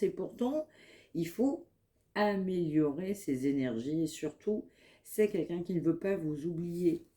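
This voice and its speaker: A woman with a head cold giving a spoken psychic reading to her viewers, in calm, measured, repetitive phrasing. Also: low-pitched. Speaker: medium giving a card reading.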